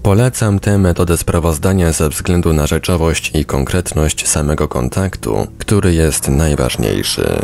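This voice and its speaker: A man's voice: very deep voice, lively intonation, a little slow, gravelly, hardly any pauses, a little mellow, slight background noise. A man reading a book aloud as scripted narration. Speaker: audiobook reader on a radio podcast.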